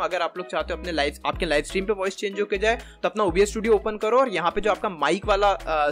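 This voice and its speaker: A man, giving a casual, chatty software tutorial for gamers. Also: sits high. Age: 20s. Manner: informal, chatty, Hindi mixed with English tech words. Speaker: video tutorial presenter. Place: indoor room at a gaming chair, voice over screen capture. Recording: music behind the voice.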